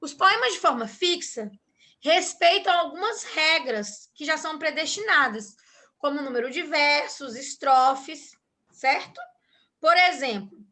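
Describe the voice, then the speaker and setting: Bright, high-voiced woman teaching slowly. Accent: Brazilian Portuguese. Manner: patient, checks understanding often. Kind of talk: online class explanation.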